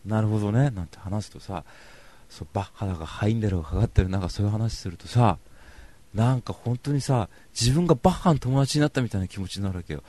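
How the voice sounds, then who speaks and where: Lively chatty man telling stories. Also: lowish voice, fast. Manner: animated, chatty, slips into acted voices. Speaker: podcast host. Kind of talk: casual monologue storytelling.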